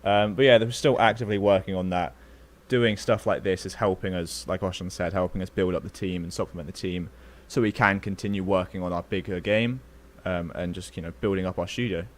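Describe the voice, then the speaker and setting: Man, very low voice, relaxed, friendly, casual stream host. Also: brisk. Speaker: YouTube tutorial creator, stream host.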